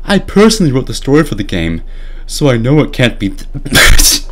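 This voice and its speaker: A man's voice: mid-range voice, very animated, moderate pace, fairly bright tone. A young man voicing a self-satisfied, oblivious game director in a mocking, pompous dramatic reading.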